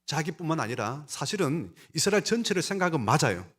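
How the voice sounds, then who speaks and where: A male pastor with a voice on the high side, a bit bright and husky, preaches a sermon fast and in a sing-song way. He addresses his congregation directly with an emphatic delivery that rises and falls.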